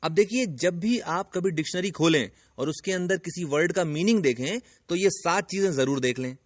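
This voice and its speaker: High-voiced man giving an emphatic lesson. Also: normal speed, no room sound, clean studio sound. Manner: emphatic, lecturing, addresses viewer directly. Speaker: English teacher. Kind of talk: instructional video lesson.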